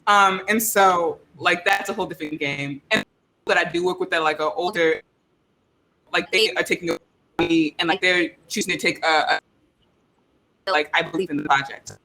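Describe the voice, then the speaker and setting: A young man chatting casually as a panelist, in a halting, informal, self-effacing way. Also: on the high side, fairly even intonation, sharp tone, low-quality recording. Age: young adult. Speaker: audio drama creator on a panel. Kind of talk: casual chat.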